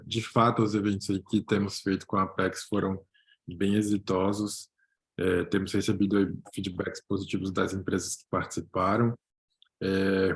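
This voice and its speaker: A man hosting a webinar, polite and formal. His voice is low and fairly flat in pitch. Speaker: webinar moderator. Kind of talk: moderating a webinar.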